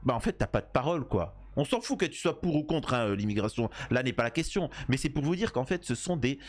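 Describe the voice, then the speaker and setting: Animated, slangy Frenchman giving commentary. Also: mid-range voice, fast. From France. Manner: familiar, opinionated, addresses viewers directly. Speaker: commentator reacting to interview clips. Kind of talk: casual reaction commentary, slangy.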